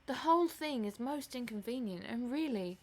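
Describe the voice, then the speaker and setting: A woman's voice: fairly high pitch, animated, normal speed, voice pushed up. A woman voicing a faded theatrical mother in an audiobook, self-pitying, snobbish and fretful, with an affected manner. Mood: disapproving, fretful. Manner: affected, melodramatic. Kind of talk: audiobook character voice.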